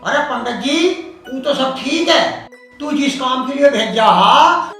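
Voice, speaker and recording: An actor playing a hard-of-hearing village elder in a comedy film, shouting in a rustic Haryanvi accent. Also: male voice, very high-pitched, animated, slow pace, exaggerated voice. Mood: bickering. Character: deaf, bumbling village elder man, husband. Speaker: hard-of-hearing old husband (Tau). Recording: echoey, distant room with music.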